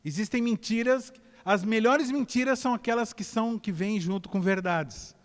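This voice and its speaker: A man with a Brazilian Portuguese accent, preaching a sermon as a pastor in an animated way and calling out to his congregation. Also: high-pitched, moderate pace. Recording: long church-hall reverb.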